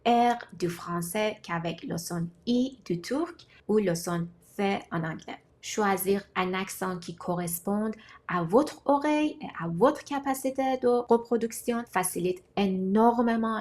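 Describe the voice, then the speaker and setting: Non-native woman vlogger, steady scripted explainer, mid-range voice, deliberate phrasing. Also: medium pitch. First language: not French. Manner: measured, deliberate delivery in short listed phrases. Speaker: language-learning vlogger.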